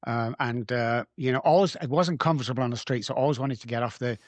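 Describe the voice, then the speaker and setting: A man's voice: medium pitch, quick pace, no room sound. A man in his sixties from Manchester with a northern English accent, chatting as a podcast guest in a blunt, joking, cocky way. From England. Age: 60s. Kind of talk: casual podcast chat.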